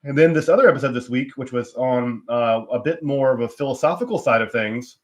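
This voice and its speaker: Man, stuffy nose from a cold, casual live stream host, lots of ums and restarts, mid-pitched voice. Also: fairly quick. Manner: rambling, many fillers and restarts. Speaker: channel host.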